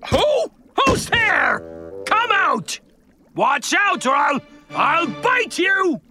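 A voice actor playing a greedy, blustering male shark pirate in a cartoon, with a growling, gravelly voice. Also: very high voice, sing-song, drawn-out words, over music, full character voice. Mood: threatening. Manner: boastful, menacing, cackling. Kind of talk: cartoon voice acting.

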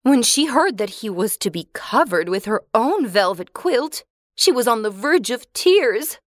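A woman narrating a fairy tale for children in a clear, expressive reading. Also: fairly high pitch, a little slow, no echo, clean studio sound.

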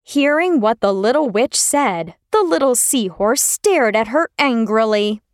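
Woman narrator, children's story, expressive and exclamatory, lively in pitch. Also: a little slow, dry recording, studio quality.

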